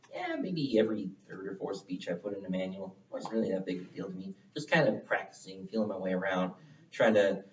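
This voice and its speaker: A man's voice: lowish voice, a little mellow. A man hosting interviews with club members, friendly and wordy, encouraging as he talks. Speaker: interviewer and club area director. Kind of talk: casual interview. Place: club meeting room. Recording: roomy, distant, dull sound.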